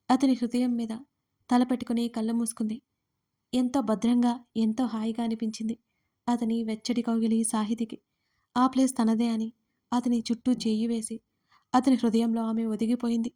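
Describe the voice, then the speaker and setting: Woman reading a love story, mellow and kinda flat, highish pitch. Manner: calm, even reading. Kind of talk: scripted narration of a romance audio story.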